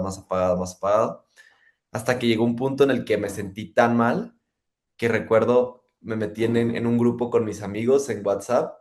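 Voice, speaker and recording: A young man giving a personal testimony, retelling events in a lively way and filling gaps with "pues". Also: fairly low pitch. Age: young adult. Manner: lively retelling, acts out dialogue, frequent fillers. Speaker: testimony speaker.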